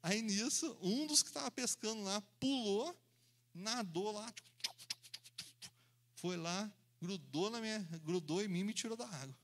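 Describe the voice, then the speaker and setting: A preacher tells his story animatedly, acting out the voices and sound effects himself. His voice sits fairly high for a man. He often laughs along as he talks. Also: expressive, a little slow, a little hiss or hum. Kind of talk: storytelling sermon.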